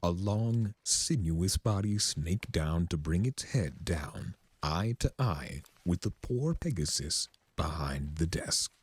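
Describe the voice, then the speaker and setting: Slow, low-pitched male story narrator. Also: animated, husky, no echo.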